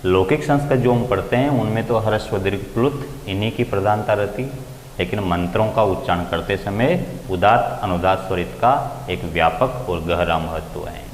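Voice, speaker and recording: A male grammar teacher lecturing step by step, lifting his voice on key terms. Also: moderate pace. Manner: explains step by step, raising pitch to stress key terms. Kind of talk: classroom lecture. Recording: echoey room with long reverb, faint ambient noise.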